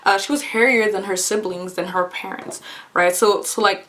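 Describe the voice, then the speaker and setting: A woman's voice: mid-range voice, steady tone, normal speed, a bit bright, slight background noise, rough recording. Chatty young woman vlogging, earnest. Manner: chatty, earnest, laughs often, repeats phrases. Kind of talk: casual talk to camera.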